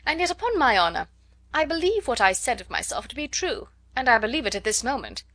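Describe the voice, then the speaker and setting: A woman reading as an affable, easygoing young gentleman. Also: a little high, very animated, fairly quick, no room sound, voice pushed up. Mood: good-humoured. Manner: affable, protesting good-humouredly. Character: good-natured young gentleman, easygoing and cheerful.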